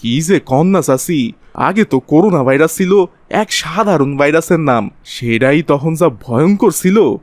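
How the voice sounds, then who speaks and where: Cartoon scheming conman, male actor: Bangladeshi accent, slightly high pitch, wheedling colloquial delivery, dry close sound. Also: lively intonation, unhurried, dry recording. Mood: ominous warning. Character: scheming city man, sly profiteer spreading virus panic. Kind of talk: Bengali cartoon voice acting.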